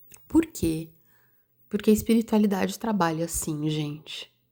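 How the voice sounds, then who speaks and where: A woman's dark, mellow voice at a moderate pace on a very clean recording with a silent background. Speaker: holistic therapist and tarot reader. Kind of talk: casual reflective monologue. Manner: conversational, chatty.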